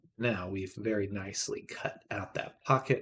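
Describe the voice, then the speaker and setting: A man talks in an American accent. His voice is somewhat breathy. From California, US. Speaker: 3D artist streamer. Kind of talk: live stream tutorial. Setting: live stream. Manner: muttering.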